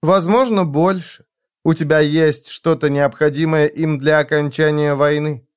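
A man's voice: fairly high pitch, fairly even intonation, a little slow, smooth, lightly acted. A man voicing a blind, proud, vengeful young woman in a dramatic audiobook reading, with an intense, defiant delivery. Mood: fierce.

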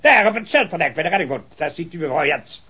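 An actor playing a jovial, talkative, hard-of-hearing old retired colonel who rambles heartily in a radio drama. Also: male voice, a little high, sing-song, fast talker, bright, forceful tone, husky, heavily acted. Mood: cheerful, rambling. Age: older. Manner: rambling, hearty, with repeated affirmations and chuckles.

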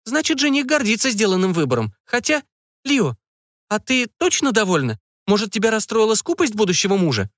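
A man voicing a fussy, excitable middle-aged mother who fires off anxious questions. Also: high-pitched, a little fast, dry recording, studio quality, pitched above the performer's own voice, exaggerated voice. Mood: prying. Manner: fretful, breathless questioning.

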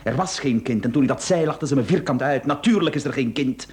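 An actor playing a meek, guilt-ridden, henpecked husband in a radio play, hesitant and subdued. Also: male voice, mid-range voice, fairly quick, a little mellow, natural voice. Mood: shaken, confessing. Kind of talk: Dutch-language radio play acting.

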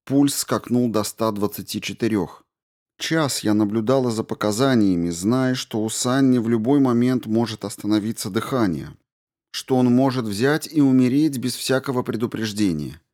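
A man reading a story aloud in a steady, measured narration. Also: medium pitch. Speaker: audiobook narrator. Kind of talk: scripted narration.

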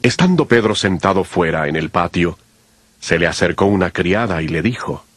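A man's voice: deep voice, expressive, moderate pace, a bit bright, no room sound. A man narrating scripture from a script in a solemn style, as part of a dramatized audio Bible. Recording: music behind the voice.

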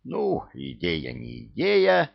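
A man voicing a gruff, sullen male henchman in an audiobook reading. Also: lowish voice, very animated, unhurried, muffled recording, exaggerated voice. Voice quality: gruff, terse.

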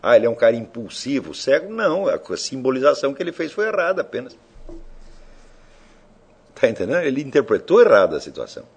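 A man's voice: mid-range voice, huge pitch swings, quick pace, breathy edge. A man giving an informal lecture, provoking his listeners with rhetorical questions and casual swearing.

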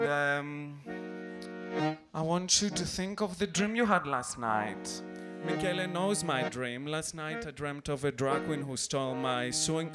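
A man from Greece with a Greek accent, bantering playfully with a live audience as a cabaret performer and guiding them slowly through instructions. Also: medium pitch. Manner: playful, teasing, slow guided instructions. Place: club stage, live show. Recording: reverberant live club with accordion. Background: live accordion music.

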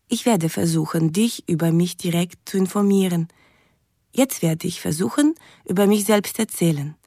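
A woman's voice: mid-range voice, darkish tone, dry recording, studio quality. A woman playing an earnest Russian in her thirties in a radio play, reciting formal letters in broken grammar. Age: 30s. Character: earnest young Russian woman writing romance emails.

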